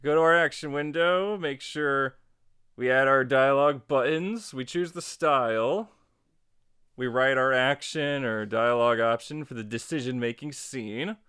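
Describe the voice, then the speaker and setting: A man narrates a casual how-to tutorial in a smooth, clear voice of average pitch. He is chatty and playfully wry. The sound is dry, with no room echo. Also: measured pace, a bit bright. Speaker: tutorial host.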